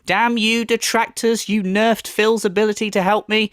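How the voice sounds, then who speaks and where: A man's voice: high voice, level tone, normal speed, a bit bright, smooth, no echo, clean studio sound. A man hosting a commentary vlog in a sarcastic, mocking way, swearing and using many fillers, his voice a little off from a cold. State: slightly off voice from a cold. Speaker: commentary channel host.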